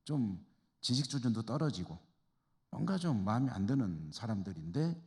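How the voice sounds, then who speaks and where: A pastor hailing from Chungcheong, Korea, holds a conversational Bible study in a reverberant church hall, asking the class rhetorical questions. His voice is on the low side and a little mellow, very animated at a normal speed.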